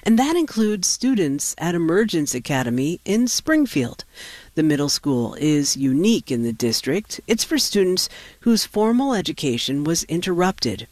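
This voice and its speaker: A woman hosting local public radio, reading news, weather and sponsor notes in a measured announcer delivery. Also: on the low side, big pitch swings, darkish tone, no echo. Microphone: studio microphone.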